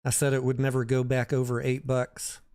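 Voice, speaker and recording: A man's voice: mid-range voice, monotone, moderate pace, darkish tone, smooth. A man hosting a livestream, talking casually about the stock market and answering viewers by name in a conversational way.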